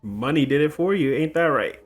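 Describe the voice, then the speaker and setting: Female gamer host, deep-pitched, wry and informal reactions, faint music behind her. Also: lively intonation, a little fast. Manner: colloquial, wry, talks back to the game. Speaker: gaming video host. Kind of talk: casual reactive game commentary.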